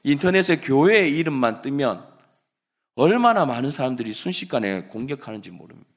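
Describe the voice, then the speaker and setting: A male pastor preaching a sermon, dramatic and swinging from loud emphasis to hushed words. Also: mid-range voice, sing-song, a little fast.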